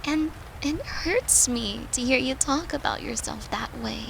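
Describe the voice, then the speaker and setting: A woman playing a gentle, devoted girlfriend who soothes her lover in an intimate comfort roleplay, speaking tenderly and reassuringly in a soft, hushed voice. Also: sits high, measured pace, gravelly, background noise. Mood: earnest, firm.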